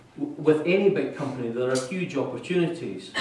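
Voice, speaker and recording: Audible room echo surrounds a man speaking at a fairly high pitch and moderate pace with lively intonation. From Scotland, Kinross-shire. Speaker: businessman. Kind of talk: lecture. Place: hall. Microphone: camera far.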